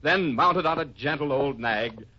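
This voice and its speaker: A man's voice: mid-range voice, unhurried, muffled recording. Noisy vintage recording of a male radio announcer. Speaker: announcer, narrator. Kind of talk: 1950s radio scripted narration.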